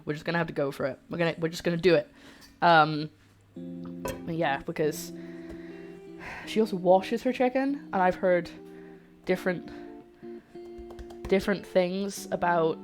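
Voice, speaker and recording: Woman, young adult, light Scottish lilt, lower voice, rambling live-stream chat, home kitchen, soft music behind. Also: normal speed. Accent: light Scottish-English mix. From Scotland. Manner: chatty, rambling, talks to chat. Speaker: cooking streamer. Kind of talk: casual live-stream chat while cooking.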